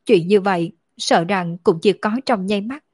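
Sad lonely orphan girl, a woman reading her lines, slow choked-up talk, really dry sound. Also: medium pitch, darkish tone, husky, no room sound, lightly acted. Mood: sorrowful. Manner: slow, grieving, choked delivery. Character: lonely orphaned young woman, sorrowful and tearful.

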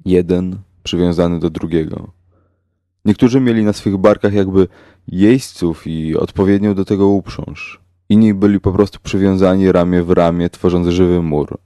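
A man narrating a horror story in a slow, measured, grave way. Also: low voice, steady tone, dark tone, dry recording, studio quality. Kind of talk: scripted horror audiobook narration.

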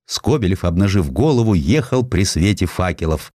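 A man reading historical prose as a dramatic scripted narration, in expressive, measured storytelling. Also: low-pitched, no room sound, studio quality. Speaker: audiobook narrator.

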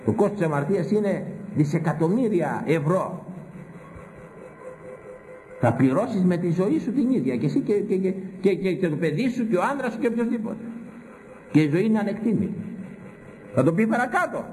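A man's voice: sits high, expressive, long pauses, dark tone, in a large hall, slight background noise, rough recording. A man preaching a stern, scolding sermon full of rhetorical questions. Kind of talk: sermon with Bible interpretation.

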